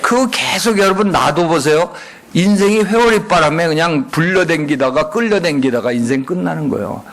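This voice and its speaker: A man's voice: a little high, normal speed, a bit bright. Male pastor preaching, middle-aged, call-and-response, rhetorical questions, church sanctuary. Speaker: guest pastor. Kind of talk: sermon.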